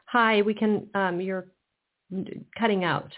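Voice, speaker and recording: A woman's voice: medium pitch, fairly even intonation, slow. A woman co-hosting a psychic call-in radio show, probing callers and restarting her sentences. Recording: tinny phone-like line.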